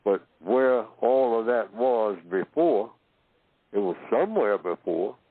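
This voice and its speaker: A man from Oklahoma giving a slow philosophical talk, asking himself questions and answering them, and repeating phrases to build his point. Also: medium pitch, expressive, slightly rough, dry recording. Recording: tinny phone-line audio.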